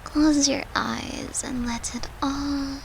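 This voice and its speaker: A woman's voice: sits high, steady tone, takes it slowly, a little hiss or hum, poor audio. A woman playing a devoted, playful and protective human girlfriend in an intimate comfort audio roleplay, speaking in a tender, soothing, coaxing way. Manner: tender, soothing, coaxing, slipping into breathy murmurs.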